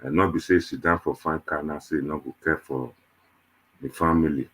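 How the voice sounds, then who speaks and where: A man's voice: extremely low pitch, fairly even intonation, brisk, fairly bright tone, a little hiss or hum. A man with a Nigerian accent hosting an online panel show in Nigerian Pidgin, talking to viewers in a casual, rambling, conversational way.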